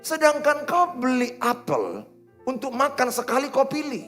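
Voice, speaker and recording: A middle-aged man preaching a sermon, swinging between loud exhortations and quiet, low asides. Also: wildly swooping pitch, unhurried, faint music behind. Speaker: pastor. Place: church hall with congregation.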